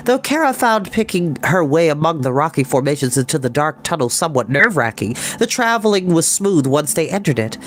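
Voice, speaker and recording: A woman's voice: low-pitched, sing-song, brisk, few pauses, slight background noise. A woman narrating a children's story expressively, as a storytime reader. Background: music.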